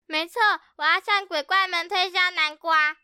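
A woman's voice: very high voice, steady tone, moderate pace, sharp tone, no room sound, studio quality, pitched above the performer's own voice, full character voice. A woman voicing an eager, quirky young princess in a children's storybook, perky, confident and childlike.

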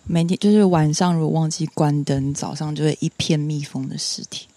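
Lowish-voiced woman with a Taiwanese accent. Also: fairly even intonation, brisk, dark tone, no echo. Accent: Taiwanese Mandarin. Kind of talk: casual chat.

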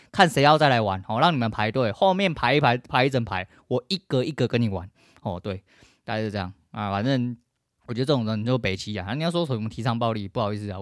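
A man's voice: medium pitch, no echo, studio quality. A middle-aged man with a Taiwanese Mandarin accent, hosting a podcast in a blunt, profane, emphatic casual rant. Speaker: podcast host.

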